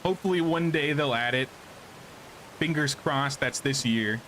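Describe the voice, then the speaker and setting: A man's voice: a little high, a little slow, pushed and bright, a little hiss or hum, poor audio. A man casually commenting on his gameplay during a live stream, thinking aloud and answering chat questions.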